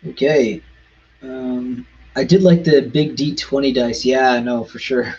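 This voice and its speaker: A man chatting casually on a live stream, rushing in quick bursts and stumbling over foreign words. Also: mid-range voice, animated, gravelly, darkish tone, husky, highs cut off. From Canada.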